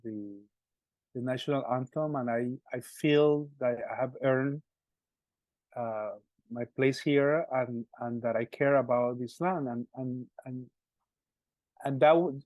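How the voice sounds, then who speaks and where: Colombian-accented man, halting speech. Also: medium pitch, fairly even intonation, darkish tone, no echo, rough recording. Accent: Colombian Spanish. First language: Spanish. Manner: halting, many repeated words and restarts. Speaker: musician guest. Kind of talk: interview answers.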